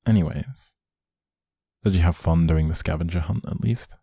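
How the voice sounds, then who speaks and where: A man playing a doting, playfully teasing young boyfriend in an intimate one-sided roleplay, speaking affectionately with a soft, husky voice. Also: normal speed, no echo, studio quality, heavily acted. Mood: attentive, gentle. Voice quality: low, soft, husky, creaky.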